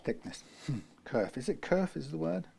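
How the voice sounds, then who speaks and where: A man's voice: a little high, very animated, a little slow, vocal fry, crowd noise. A man from the UK working through a guitar repair, talking in a rambling way, correcting himself and dropping dry asides. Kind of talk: workshop how-to narration.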